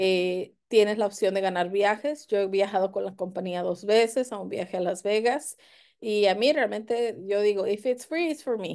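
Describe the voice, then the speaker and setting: A woman speaks at a medium pitch with ordinary pitch variation. Her pace is moderate, with hardly any pauses, over a quiet background. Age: 30s. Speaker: direct-sales entrepreneur; presenter. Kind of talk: sales pitch. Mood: upbeat, enthusiastic. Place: home room. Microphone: webcam.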